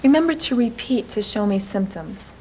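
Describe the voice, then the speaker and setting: A woman with a fairly high voice narrates a language lesson in a clear, measured way. Her scripted instructions are steady and easy to follow, with a faint hiss behind her. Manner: clear, measured teacher delivery.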